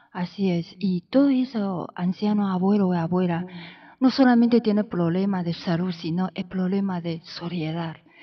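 The voice is somewhat breathy, at a moderate pace. Its pitch variation is ordinary. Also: woman, medium pitch for a woman. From Taiwan. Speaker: charity foundation representative. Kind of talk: radio interview.

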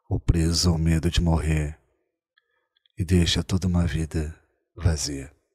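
Very deep and low, a man's somewhat breathy voice holds a monotone, flat intonation. He goes at a fairly slow pace with long, frequent pauses. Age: 50s. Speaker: poet and writer. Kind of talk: interview conversation.

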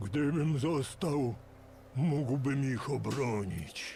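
In a raspy, put-on character voice, a man speaks at a medium pitch and a very slow pace over clear background noise. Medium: video game. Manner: gruff, bitter.

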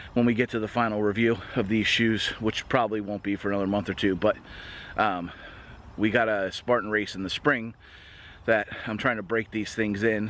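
Against light background noise, a man with an unremarkable speaking voice talks fairly quickly at a fairly low pitch, with fairly even intonation and a dry sound with no echo. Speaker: trail runner reviewing shoes. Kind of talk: casual vlog chat. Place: waterside. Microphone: phone near.

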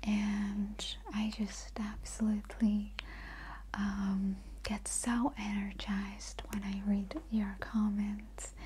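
The speaker is a woman. She is soft-spoken. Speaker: video creator. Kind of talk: casual soft-spoken vlog chat, ASMR-like. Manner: soft, tender ASMR voice. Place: home room. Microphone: lapel.

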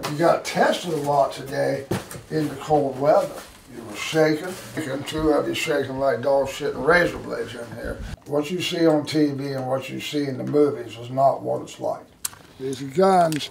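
Against noticeable background noise, a man talks at a moderate pace with big swings in loudness. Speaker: handgun expert and concealed carry instructor. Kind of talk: classroom lecture and range commands. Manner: shouting, drill-instructor style. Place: classroom. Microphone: camera far.

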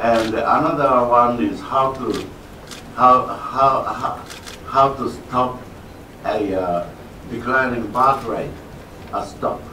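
A man at a very slow pace with ordinary pitch variation, audible room echo and light background noise. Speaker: guest. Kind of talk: press conference Q&A answer. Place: hall.

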